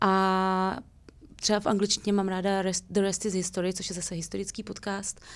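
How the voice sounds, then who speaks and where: A woman speaks in a monotone, flat way at medium pitch. Her pace is moderate. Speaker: podcaster, fan expert on a book series; podcaster. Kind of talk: casual chat. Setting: studio livestream. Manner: soothing, sleep-inducing. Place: studio. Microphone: studio mic.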